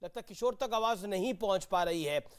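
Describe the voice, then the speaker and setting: A man's voice: high-pitched, brisk, clean tone. A man hosting a heated TV news debate, cutting in insistently and repeating himself to moderate. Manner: interjecting, repetitive, insistent. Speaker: TV debate host.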